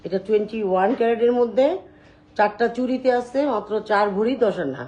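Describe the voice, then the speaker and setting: A woman hosting a live sales stream, showing jewelry and talking loudly and chattily to her viewers. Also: medium pitch, fast talker, highs cut off. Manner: loud, chatty, addresses viewers directly.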